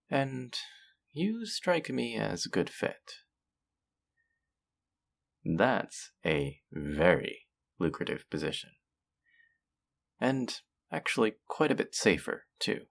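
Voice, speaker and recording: A man playing a suave, pleasant supervillain in a scripted audio roleplay, speaking in a polished, measured, theatrical and amiable way. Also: lowish voice, sing-song, vocal fry, fairly bright tone, heavily acted. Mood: businesslike, inviting. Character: suave, pleasant male supervillain interviewing a minion recruit. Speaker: voice actor. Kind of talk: scripted roleplay audio drama, conversational monologue.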